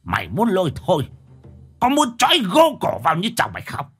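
A man's voice: fairly low pitch, huge pitch swings, slow pace, slightly rough, soft background music, exaggerated voice. A man voicing a sly, bullying village chief who barks and sneers. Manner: barking, sneering.

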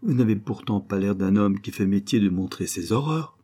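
A man reading aloud voices a calm young gypsy woman who works at a fairground, speaking plainly and earnestly. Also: lowish voice, moderate pace, breathy edge.

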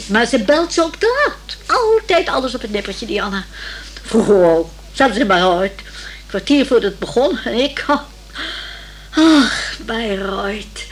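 An actress playing a fussy, excitable elderly lady who loves opera, flustered and chattering in a radio play. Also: fairly high pitch. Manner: flustered, stammering, chattering, insistent. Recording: slightly noisy old radio play recording.

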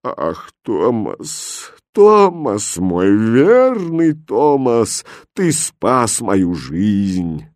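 A man voicing a proud, quick-tempered young king who speaks imperiously. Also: lowish voice, sing-song, a little mellow, dry recording, clean studio sound, exaggerated voice. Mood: recalling.

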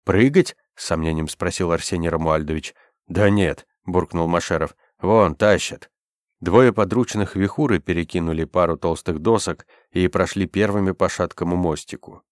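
A man narrating an adventure novel in the first person, reading expressively and lifting his voice for the characters' shouts. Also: low-pitched, steady tone, fairly quick, few pauses, no room sound, clean studio sound. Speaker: audiobook narrator.

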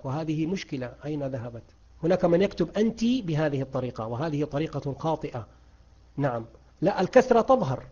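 Mellow-voiced Arabic grammar teacher. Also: male voice, on the high side, slightly rough, muffled recording. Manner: asks students questions and praises their answers. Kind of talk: online grammar lesson.

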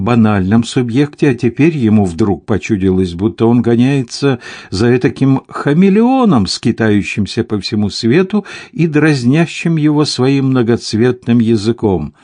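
A man narrating an audiobook in an even, measured reading. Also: mid-range voice, dry recording. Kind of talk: scripted narration.

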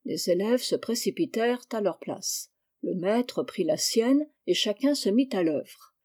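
A woman narrating a classic children's novel in a measured storytelling voice. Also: medium pitch, animated, a little mellow. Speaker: audiobook narrator. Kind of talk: scripted narration.

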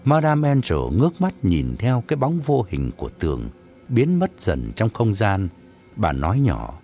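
A man reads a story aloud, his pitch rising and falling very widely as he builds scenes. His delivery is expressive and unhurried. Soft music runs underneath. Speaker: narrator. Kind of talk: audiobook narration.

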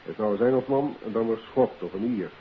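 An actor playing a matter-of-fact, dryly genial police inspector in a 1950s Dutch radio drama. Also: male voice, lowish voice, quick pace, lightly acted. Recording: hissy, muffled old radio recording.

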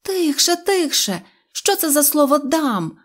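A woman's voice: sing-song, brisk, darkish tone. A woman voicing a small girl who scolds and soothes the boys, in a storybook reading. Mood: scolding. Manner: chiding, high and eager. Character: bossy, scolding little girl, Knopochka.

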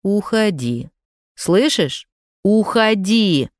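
A grim father figure with cold, menacing threats delivered in a slow, low hiss, as a woman reads him aloud. The pace is unhurried and the sound is close and dry. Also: expressive, no room sound. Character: angry middle-aged father, cold and menacing.

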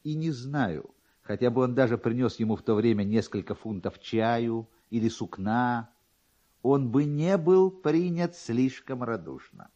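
A man narrating classic literature as an expressive storyteller, with a wry, theatrical manner. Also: mid-range voice, muffled recording. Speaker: narrator, reader.

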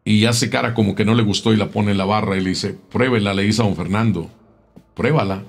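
A man telling a local tale in a casual, unhurried way, often repeating words as he goes. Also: fairly low pitch, steady tone, gravelly, breathy edge. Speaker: storyteller.

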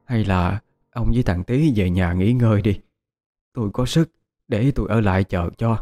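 A man voicing a gentle elderly peasant mother in an audio story, softly persuading. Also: fairly low pitch, normal speed, close to an everyday voice.

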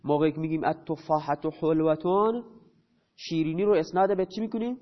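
High-voiced man teaching a grammar lesson. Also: fairly even intonation. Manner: poses questions and answers them himself; repeats key terms slowly. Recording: dull lo-fi recording.

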